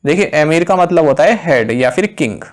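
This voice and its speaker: An Indian man hosting a current-affairs quiz lesson who reads each question slowly, then explains the answer in quicker asides. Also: a little high, lively intonation. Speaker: exam-prep quiz host.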